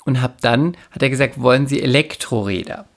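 A woman from the Palatinate in Germany chatting casually and telling comic anecdotes with dramatic, animated delivery. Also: extremely low pitch, brisk. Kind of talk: casual comedic chat and anecdotes.

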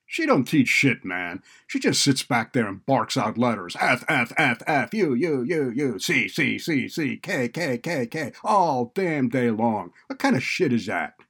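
Man acting an angry, defiant young tough, loud. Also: medium pitch, very animated, measured pace, hardly any pauses, slightly rough, pitched above the performer's own voice, heavily acted. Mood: sullen, mocking. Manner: insolent, profane, street-slang swagger. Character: angry, defiant young male student and petty drug dealer.

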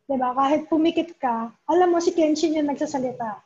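A woman's voice: high voice, fairly quick, a little mellow. A woman, a comics writer, chatting as an interview guest and mixing English into her talk, often asking "di ba?". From Philippines. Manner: chatty, mixes English into Tagalog, keeps asking "di ba?". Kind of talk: casual conversational interview. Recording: dull lo-fi recording.

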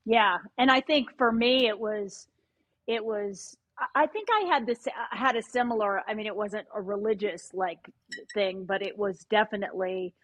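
A woman's voice: medium pitch, normal speed, fairly bright tone, no room sound. A middle-aged woman hosting a podcast, talking candidly and reflectively in casual chat, often restarting her sentences. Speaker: podcast host. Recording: dry, muffled lo-fi mic.

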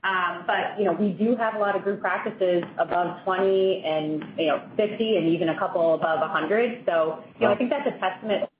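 A woman speaking as a company finance executive answering on an earnings call, in a measured, careful corporate manner. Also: fairly low pitch. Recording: echoey, tinny conference phone line with noise.

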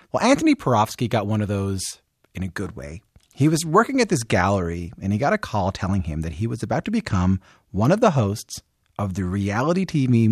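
Male radio host, chatty, lively intonation, dry studio sound. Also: lowish voice, dry recording. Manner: lively, chatty, quick to laugh. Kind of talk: radio interview. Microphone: studio microphone, dry sound.

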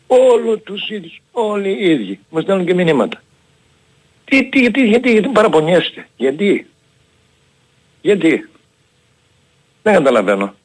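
Male caller, husky, middle-aged, from Epirus, repetitive, defensive, heated. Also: medium pitch. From Greece, Epirus. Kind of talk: heated call-in argument.

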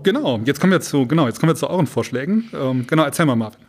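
A man's voice: a little high, lively intonation, very fast, background noise. A man from the Ruhr area of Germany chatting casually as a podcast co-host, telling jokey anecdotes.

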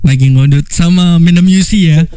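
A man's voice: a little high, normal speed, dark tone. A man interviewing a band guest in a casual chat and teasing him with playful questions.

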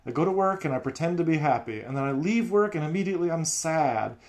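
Earnest music teacher, quick talker. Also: male voice, a little high, lively intonation, a little mellow. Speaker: music teacher, podcast co-host. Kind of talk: casual chat.

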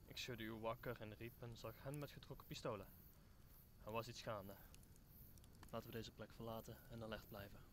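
A man's voice: lowish voice, level tone, moderate pace, noisy background, close to an everyday voice. A young man playing a loyal, alert old counsellor in an audio drama, speaking formally and urgently. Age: young adult. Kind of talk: Shakespearean audio drama dialogue.

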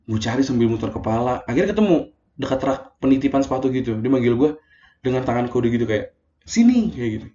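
A man's voice: mid-range voice, fast, warm tone. A young man telling a true personal story in a casual, slangy monologue, full of fillers and emotion, recorded as a phone voice message. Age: young adult. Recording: roomy, dull lo-fi voice message.

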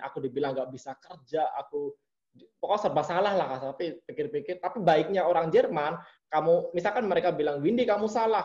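Man, interview guest, casual chat, animated, slightly high voice, lo-fi sound. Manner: animated, mimics blunt speech.

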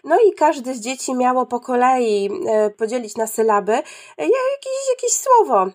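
Higher-voiced woman, hesitant storyteller. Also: sing-song, normal speed. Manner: hesitant, many fillers and restarts. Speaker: preschool teacher. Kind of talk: casual discussion.

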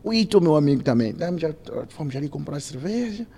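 Lively high-voiced man telling a story. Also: quick pace, husky. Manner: acts out the voices of the people in his story. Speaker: podcast guest. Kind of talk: animated storytelling.

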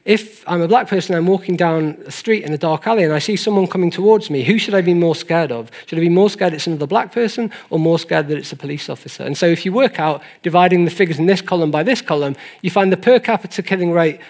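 A man with a fairly high voice speaks as a lecturer. He explains statistics in an earnest, didactic manner. Key points get emphatic stress. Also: fast, few pauses, darkish tone. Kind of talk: explanatory presentation of statistics to an audience.

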